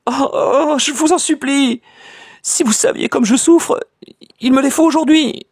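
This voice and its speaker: A man reading an audiobook, voicing a distraught, trembling society lady in a halting, tearful falsetto. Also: big pitch swings, a little mellow, no echo, clean studio sound, heavily acted. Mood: pleading.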